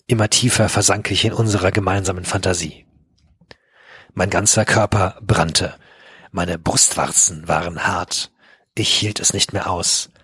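A man's voice: low voice, pushed and bright, breathy edge, no echo. Man reading aloud with wry asides. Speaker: podcast host. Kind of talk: ironic reading aloud in a casual chat.

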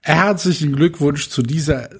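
A man's voice: on the high side, unhurried, slightly rough. A man co-hosting a casual football podcast, telling a wry anecdote and acting out both sides of a phone call. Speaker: podcast co-host.

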